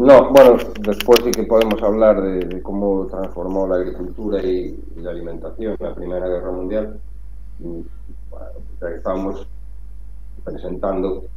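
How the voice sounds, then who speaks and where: Delivered at a moderate pace with long, frequent pauses, the speech shows big swings in loudness, along with audible room echo and noticeable background noise. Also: man. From Galicia, Spain (Lugo province). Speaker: journalist. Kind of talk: casual interview. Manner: hesitant, frequent fillers.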